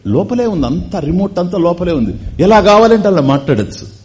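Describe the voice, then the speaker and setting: Man, spiritual teacher, animated pitch, slow chanting then chatty explaining. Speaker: spiritual teacher giving a discourse. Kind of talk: Telugu religious discourse on scripture.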